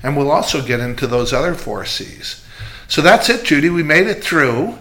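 A man's voice: on the high side, animated, normal speed, fairly bright tone. A man hosting a casual podcast about jewelry, telling candid stories with emphasis. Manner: chatty storyteller, candid and emphatic. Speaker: jeweler and show host.

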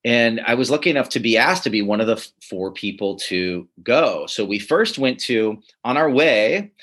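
Man chuckling through animated stories. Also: medium pitch, normal speed. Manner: animated, chuckling, many restarts. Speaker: comedy writer and teacher. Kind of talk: casual interview storytelling.

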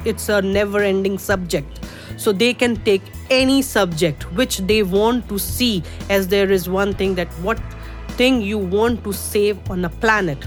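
Middle-aged woman from India, halting speech. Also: medium pitch. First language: Urdu. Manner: halting, with many fillers and restarts. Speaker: guest artist and curator. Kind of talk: casual interview chat.

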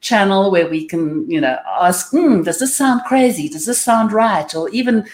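A woman's voice: mid-range voice, animated, normal speed, a little mellow. A woman hosting a casual video call chat, encouraging and thoughtful. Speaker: host. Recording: echoey room.

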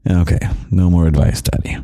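A young man hosting a podcast of gentle, half-whispered comfort talk, slow and soft with quiet chuckles, close to the microphone. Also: low voice, steady tone, no room sound. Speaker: podcast host.

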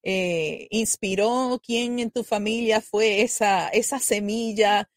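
A woman's voice: medium pitch, steady tone, slow pace, dry recording, clean studio sound. A woman hosting a live talk show interview, introducing her guest and asking questions with effusive praise. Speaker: host.

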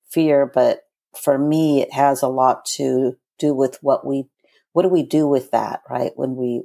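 Born in Ecuador and raised in Los Angeles, a middle-aged woman who runs a nonprofit appears as a podcast guest. In this reflective interview she speaks earnestly and thoughtfully, her voice low, rumbling and warm.

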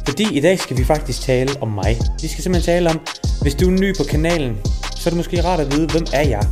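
Danish man in his 20s, personal trainer, laid-back chatty monologue, mid-range voice, faint music behind. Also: mid-range voice. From Denmark. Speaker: personal trainer and podcast host.

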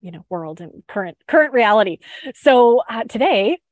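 A woman's voice: on the high side, very animated, moderate pace, no echo. Upbeat, stuffed-up woman podcast host. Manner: upbeat, chatty, with fillers and restarts. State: stuffed up with a head cold. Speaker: podcast host and sugar freedom coach. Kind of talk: casual live-stream talk.

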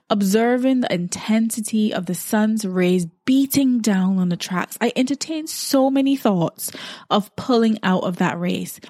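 A woman's voice: mid-range voice, a little mellow, dry recording, clean studio sound. Woman telling a personal story. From Barbados. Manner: storytelling, reflective and conversational. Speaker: podcast host. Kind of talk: solo podcast talk.

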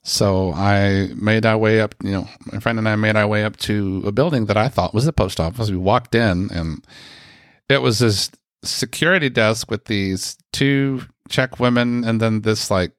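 Chatty low-voiced American man. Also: moderate pace, no room sound, clean studio sound. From United States. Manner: rambling, chatty, lots of fillers and asides. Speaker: speaker sharing a personal story. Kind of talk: casual storytelling.

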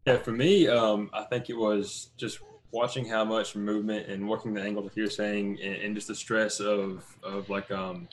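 A man's voice: on the low side, level tone, moderate pace, few pauses, a little hiss or hum. A man guesting on a casual podcast chat, searching for words with many fillers. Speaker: podcast guest, training student.

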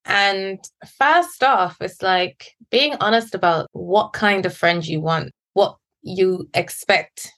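Relaxed woman co-hosting a friendship podcast. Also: mid-range voice, takes it slowly, few pauses. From Guyana, raised in England. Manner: laughs easily, relaxed. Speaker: podcast co-host. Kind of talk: casual chat.

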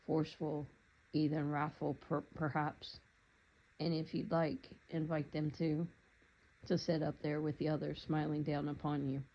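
A meditation guide leading a guided meditation in a calm, unhurried, gently instructive way. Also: medium pitch, lo-fi sound.

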